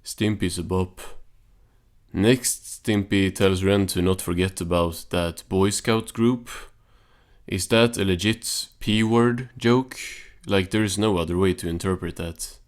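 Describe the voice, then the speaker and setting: A man giving casual, informal recap commentary on a cartoon in a deadpan manner. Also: deep voice, slow pace.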